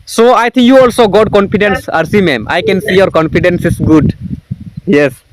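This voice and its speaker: A man with an Indian English accent talking on a video call, filling every pause with "you know" and "yes, yes". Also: high-pitched, poor audio. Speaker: English learner hosting a practice call. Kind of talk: casual conversation practice.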